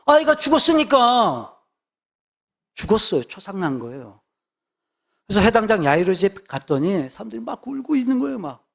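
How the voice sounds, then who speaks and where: Man, pastor, sermon, animated pitch, emphatic, rhetorical questions. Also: a little fast, gravelly, breathy edge. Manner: emphatic, repeats key words, asks rhetorical questions.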